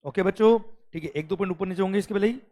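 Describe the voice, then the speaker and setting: High-voiced Indian male teacher. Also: dark tone. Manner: calls students "beta", asks "clear?" often, reads English questions slowly; mixes English and Hindi. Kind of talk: exam-prep lecture.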